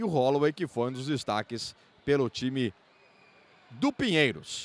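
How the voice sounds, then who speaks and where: Dry and close with no echo, a man speaks at a fairly slow pace with ordinary pitch variation. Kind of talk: basketball highlights commentary, voiced-over recap. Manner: animated, energetic, excited play-by-play delivery.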